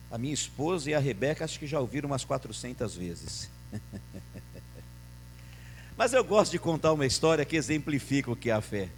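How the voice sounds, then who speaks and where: A man preaching a sermon as pastor, swinging from loud emphatic rises to a soft storytelling voice as he tells a story. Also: medium pitch. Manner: preaching with emphatic rises, then softly telling a story and voicing its characters. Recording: church hall reverb with faint mains hum.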